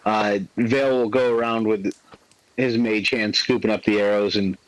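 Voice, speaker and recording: A man's voice: fairly low pitch, steady tone, moderate pace, dry recording, rough recording. A man playing in a tabletop game, easygoing and hesitant with fillers. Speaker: player. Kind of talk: casual tabletop game talk.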